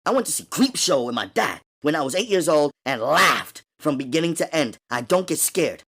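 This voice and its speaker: Brash streetwise New gal, high and lively, breathy tone, read by a male narrator. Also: heavily acted. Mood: frantic. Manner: brash, rapid-fire, indignant. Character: tough streetwise young New York woman. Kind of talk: audiobook character voice.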